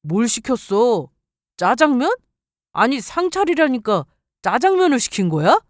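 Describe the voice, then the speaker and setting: A sulky young husband, as a woman narrator plays him, whining and defensive, with a fairly high, animated voice. It's recorded dry and close. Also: measured pace, no echo. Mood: complaining.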